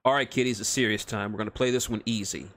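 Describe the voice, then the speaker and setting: A man's voice: fairly low pitch, steady tone, fast talker, fairly bright tone, close to an everyday voice. A man voicing a cocky, wisecracking male crew leader with a smug, teasing manner.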